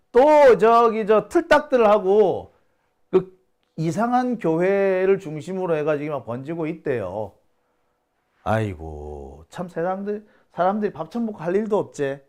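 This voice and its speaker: Indignant high-voiced man. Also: a little mellow. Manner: indignant, scoffing, exclaims and sighs. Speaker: news commentary host. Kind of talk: solo talk-show commentary.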